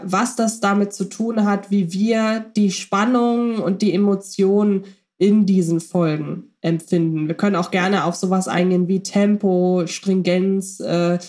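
A woman talks in a medium-pitched voice. She co-hosts a podcast in a conversational style, reflecting and thinking aloud as she goes. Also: a little mellow. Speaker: podcast co-host.

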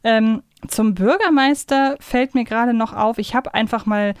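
A woman's voice: fairly high pitch, unhurried, clean tone, no room sound. Woman in dry, close sound. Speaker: podcast co-host. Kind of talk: casual podcast discussion of an audio drama series.

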